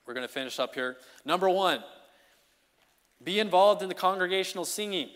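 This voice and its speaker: A man preaching an informal midweek sermon as song leader, talking in a conversational, energetic way that keeps checking in with the congregation. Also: sits high, a little fast, clean tone. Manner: conversational, energetic, often checks in with "okay?" and "you know". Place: church sanctuary. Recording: long reverb of a church hall.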